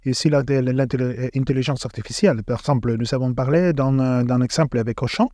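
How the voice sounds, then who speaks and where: Mellow man with a Spanish accent in French. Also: medium pitch, no echo, studio quality. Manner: halting, searching for words in non-native French. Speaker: podcast host. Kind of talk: conversational interview.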